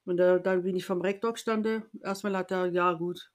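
A woman's voice: lowish voice, fairly quick. Woman from France telling a vivid story. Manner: lively, acts out quoted voices, frequent restarts. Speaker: interviewee. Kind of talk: personal storytelling in conversation.

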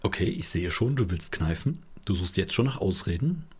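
A man's voice: sits low, very animated, normal speed, a little mellow, husky. A man co-hosting a podcast in casual chat, playful and teasing. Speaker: podcast co-host.

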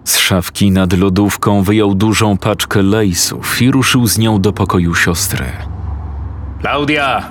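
A man narrating a horror story in a measured first-person tone. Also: fairly low pitch, fairly even intonation, a little hiss or hum.

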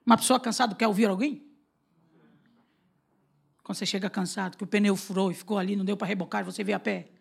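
A Brazilian woman preaching a lively sermon, telling stories and acting out the dialogue with frequent laughter. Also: mid-range voice, fast talker, vocal fry, pauses often, slightly rough. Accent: Brazilian Portuguese. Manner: animated, acts out quoted dialogue, laughs often.

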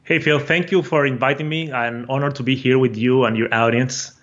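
A man's voice: mid-range voice, steady tone, fairly quick, a bit bright, dull audio. A man from Brazil with a Brazilian Portuguese accent, a guest telling his story in a casual interview, eager and often repeating words as he searches for phrasing. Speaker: guest, online course creator.

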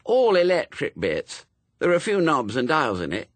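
A man reading aloud as an earnest, sensible eleven-year-old boy, pitching his voice well up. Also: wildly swooping pitch, normal speed, no room sound. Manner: earnest, eager to explain.

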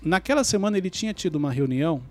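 A man's voice: high voice, very fast. A man, telling stories from his own life as a podcast guest and acting out past conversations. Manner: animated, acts out remembered dialogue. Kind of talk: storytelling in a podcast interview.

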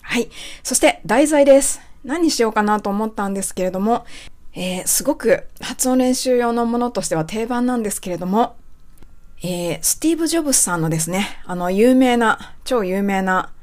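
A woman who coaches English pronunciation, hosting a casual spoken lesson and reading out a listener's email, chatty, with many fillers and soft rephrasings. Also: a little high, expressive, fairly quick.

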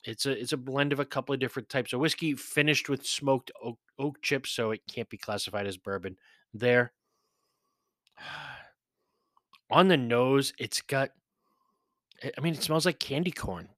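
Guy chatting thru a whiskey review, blunt and a bit profane, mid-pitched, dry sound. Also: unhurried, long pauses, fairly bright tone, no echo. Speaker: podcast host reviewing whiskey. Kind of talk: casual spoken review.

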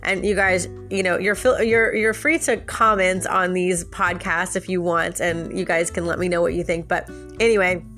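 A woman's voice: fairly low pitch, steady tone, normal speed, a bit bright, faint music behind. A woman hosting a podcast with a nasal, stuffed-up voice from a sinus infection, telling a casual story and chatting straight to listeners with frequent little laughs. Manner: chatty, laughs often, addresses listeners directly. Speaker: podcast host.

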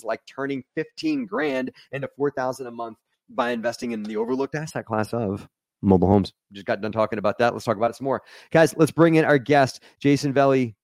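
Male podcast host, quick and lively, dry studio sound. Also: mid-range voice, vocal fry, dry recording. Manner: energetic, talks fast with restarts and asides to viewers. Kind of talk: casual podcast monologue and interview.

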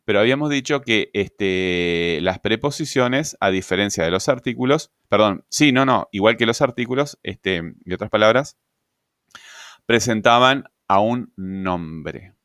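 With lively intonation and a fairly low, fairly bright voice, a grammar teacher explains points in a recorded lesson. He hesitates a lot, uses many fillers and keeps adding tag questions. The studio sound is clean, with no room sound.

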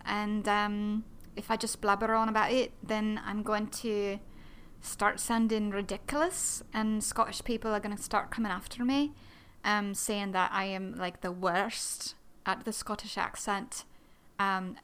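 A woman's voice: medium pitch, a bit bright, smooth. A woman hosting a solo podcast, chatting in a bubbly, self-deprecating way and rambling with many fillers. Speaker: podcast host.

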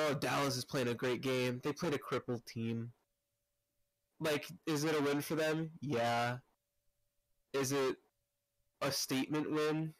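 A man's voice: medium pitch, dry recording. A man chatting casually about sports, blunt and loose, with the odd swear word. His mic peaks constantly, so every word has a fuzzy, clipped distortion. The sound is dry and close, with no room around it. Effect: fuzzy clipping distortion from a peaking mic. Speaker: podcast co-host.

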